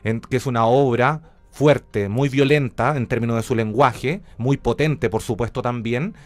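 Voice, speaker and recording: A man's voice: medium pitch, a little slow, faint music behind. A middle-aged man with a Chilean accent, talking conversationally as an interview guest and explaining his work reflectively. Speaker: interview guest, journalist and radio theatre director.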